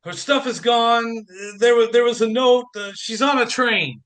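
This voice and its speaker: A man's voice: extremely high pitch, measured pace, a bit bright. An actor playing a volatile, self-pitying jilted man in a comic radio play, agitated and stammering. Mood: distraught. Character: volatile, desperate jilted man, ex-chorus performer turned hostage-taker.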